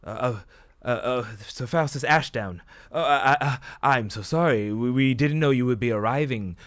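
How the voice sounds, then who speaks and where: A man's voice: fairly low pitch, animated, slow, a bit bright, husky, no echo, full character voice. A man doing a flustered, somber elf dean. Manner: flustered, apologetic, stammering. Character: thin, somber, nervous male elf dean.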